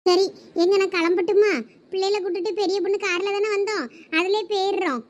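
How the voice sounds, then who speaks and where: A woman's voice: very high-pitched, steady tone, a little fast, muffled recording. A woman voicing bickering young village wives in a comic cartoon family drama, with a Thoothukudi Tamil accent and a quarrelsome, complaining manner. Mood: polite. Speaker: cartoon voice actor.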